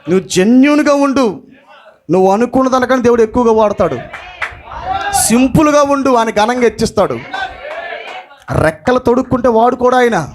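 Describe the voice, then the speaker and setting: A male pastor preaching an impassioned sermon, dropping in English phrases and shouting the lines he wants to stress. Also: very high voice, a little hiss or hum.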